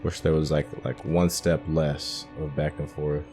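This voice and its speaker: A man's voice: very deep voice, level tone, unhurried, mellow. A man giving casual video game playthrough commentary, thinking aloud as he guides viewers, with game music behind him.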